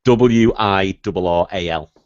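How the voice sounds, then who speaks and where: A man with a Merseyside accent chats loosely on a podcast, laughing a lot and tripping over his words as he restarts lines. His voice sits at an ordinary pitch. The recording is dull and lo-fi, with a dry, close sound. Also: a little slow, darkish tone, no room sound. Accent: Merseyside English. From Wirral, England. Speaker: podcast co-host. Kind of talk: casual chat.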